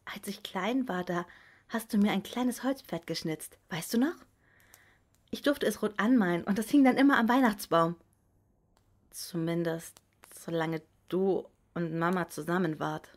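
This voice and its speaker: A woman's voice: on the low side, expressive, a little slow. A woman playing an earnest, principled young adult daughter in a naturalistic radio drama. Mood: wistful, hesitant. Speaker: voice actor in an audio drama.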